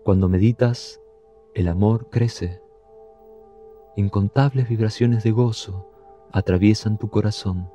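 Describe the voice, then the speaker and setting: A man leading a guided meditation, giving calm, soothing, unhurried instructions. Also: fairly low pitch, soft background music.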